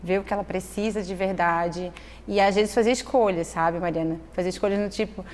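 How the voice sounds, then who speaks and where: A woman speaks at an ordinary mid pitch in a thoughtful, explanatory way. She often checks in with her listener as she talks. The recording carries a long reverb with a faint hiss behind it. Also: steady tone, brisk, darkish tone. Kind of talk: conversational interview. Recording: echoey room with faint noise.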